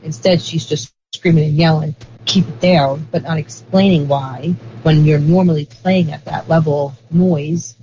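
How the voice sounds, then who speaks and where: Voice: mid-range voice, fairly even intonation, moderate pace, few pauses, mellow, dull audio, slight background noise. An interview guest explaining ideas in a casual, rambling way, leaning on lots of "like" fillers. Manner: rambling, heavy use of "like" fillers.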